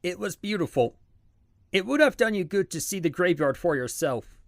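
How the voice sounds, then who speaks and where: Man playing gentle grieving father, fairly high voice. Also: lively intonation, normal speed, creaky, no room sound, clean studio sound. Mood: solemn consoling. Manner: earnest, consoling. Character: gentle bereaved father, wise and patient. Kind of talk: audio drama acting.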